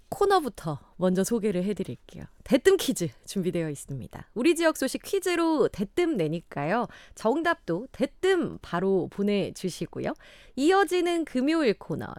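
Speaking into a studio mic, this Daegu radio host keeps her live show chatty and full of laughter. Her pitch is fairly high, and there's no echo.

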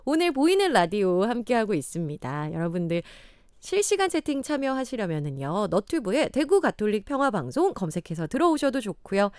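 Lively Daegu woman radio host. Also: mid-range voice, fairly quick, smooth, no echo, clean studio sound. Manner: bright, chatty, laughs often. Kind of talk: live radio hosting. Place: radio studio. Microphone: studio microphone.

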